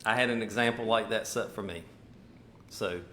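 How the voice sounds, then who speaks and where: A man's voice: lowish voice, steady tone, moderate pace, sharp tone. A man in his fifties from Virginia, a mayoral candidate being interviewed, talking in an easygoing, loose and rambling way. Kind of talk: casual interview conversation. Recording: roomy echoey sound.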